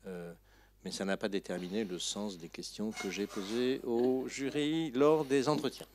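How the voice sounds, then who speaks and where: A man on an exam jury introducing himself formally, in a measured way as he lists his career posts. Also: on the low side, steady tone. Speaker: jury assessor.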